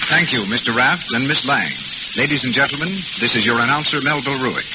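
Male vintage announcer: crisp, formal credit reading, average pitch. Hissy, dull broadcast. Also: fairly quick. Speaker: radio announcer. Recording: heavily hissing 1930s radio broadcast.

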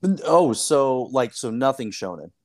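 A man's voice: medium pitch, big pitch swings, unhurried, darkish tone. A man talking casually as a podcast guest about anime, hedging his points and trailing off with small laughs.

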